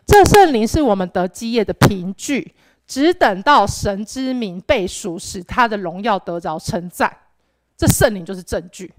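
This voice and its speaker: A woman's voice: medium pitch, animated, normal speed, no room sound. A young woman gives an earnest personal testimony at church, rambling with restarts and fillers. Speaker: church member giving testimony.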